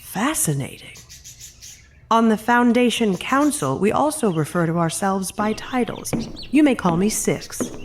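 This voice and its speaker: An actress playing a polite, official council member in a horror audio drama, speaking in a formal, measured way. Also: female voice, medium pitch, very animated, a little hiss or hum. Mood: courteous, guarded.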